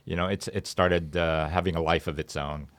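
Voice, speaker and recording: Man, very low pitch, dry close sound, interview guest, conversational explainer. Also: fairly even intonation, moderate pace, no room sound. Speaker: interview guest, startup founder.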